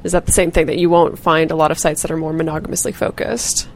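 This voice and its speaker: A woman's voice: low voice, little pitch movement, quick pace, gravelly, slight background noise. A woman co-hosting a casual podcast discussion, thoughtful and reflective, laughing lightly now and then. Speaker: podcast co-host.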